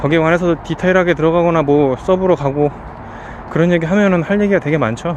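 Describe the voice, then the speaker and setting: The speech runs at a very fast pace with ordinary pitch variation and very even loudness, against noticeable background noise. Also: man, high pitch for a man. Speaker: vlogger. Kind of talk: casual vlog monologue while hiking. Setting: outdoors, hiking trail. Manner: rambling, conversational.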